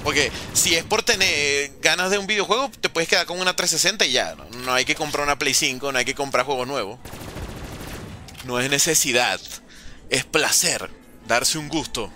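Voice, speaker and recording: Un hombre joven que transmite en vivo un videojuego, bromeando y respondiendo mensajes del chat en tono casual. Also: male voice, a little high, moderate pace, sharp tone, faint music behind. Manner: joking, reads and answers chat messages. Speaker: gaming streamer. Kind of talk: casual live-stream chat.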